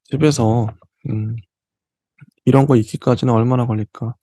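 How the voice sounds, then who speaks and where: A man hosting a literature channel, reading passages from a novel aloud and explaining them in between with soft fillers. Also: medium pitch, fairly even intonation, no echo. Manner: reads passages slowly, then comments with soft fillers.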